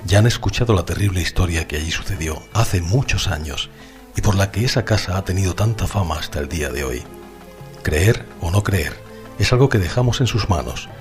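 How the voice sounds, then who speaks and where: A man as a late-night paranormal radio host with a Spain accent, presenting in a formal, measured, solemn scripted style. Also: sits low, close to an everyday voice.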